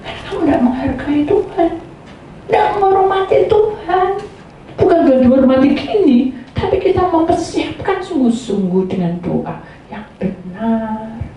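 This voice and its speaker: A high, animated woman's voice carries an as she preaches, dramatizing prayers and quoted speech with big swings in tone. She is middle-aged and sounds like a pastor at the pulpit. The recording is strongly echoey and picked up from a distance, with faint room noise underneath. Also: a little slow. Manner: lively preaching, acts out people and quotes with sudden swings. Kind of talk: sermon. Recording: echoey room heard from far off.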